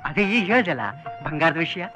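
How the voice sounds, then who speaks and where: A man's voice: fairly high pitch, lively intonation, fairly quick, natural voice. An actor playing a poor schoolteacher father who speaks in a humble, careful way. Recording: dull old film soundtrack with music.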